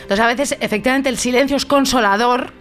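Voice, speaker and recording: A woman's voice: a little high, fast talker, a bit bright. Chatty, swearing Spanish woman host. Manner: chatty and theatrical, swears freely, laughs often. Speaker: radio host. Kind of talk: casual chat on a talk show.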